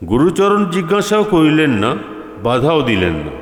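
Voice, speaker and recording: A man's voice: fairly high pitch, sing-song, moderate pace. A man narrating a literary story from a script. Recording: echoey long reverb, music behind. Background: music.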